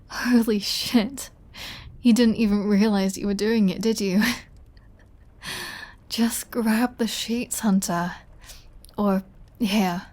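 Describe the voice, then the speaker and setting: A woman's voice: medium pitch, a little mellow, natural voice. A woman voicing a flirty, possessive female vampire in an intimate ASMR roleplay, with a teasing, playfully threatening manner. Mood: mock-annoyed, teasing.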